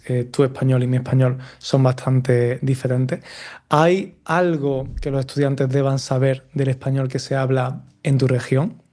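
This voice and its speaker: An Andalusian-accented man hosting a Spanish-learning podcast. He sounds relaxed and mellow, with an even, level delivery. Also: medium pitch. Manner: relaxed, with frequent fillers. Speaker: podcast host, Spanish teacher. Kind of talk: casual conversational interview.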